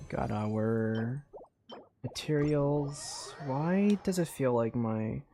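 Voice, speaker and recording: A tired man doing casual live gameplay commentary, thinking aloud in a low-key, meandering way. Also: takes it slowly, dark tone, faint music behind. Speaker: game streamer.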